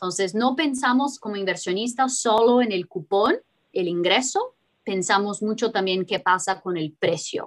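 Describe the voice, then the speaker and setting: Speech moves at a fairly slow pace. The pitch variation is ordinary. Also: woman, medium pitch for a woman. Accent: Portuguese. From Brazil. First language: Portuguese (speaking Spanish). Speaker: investment strategist. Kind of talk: interview.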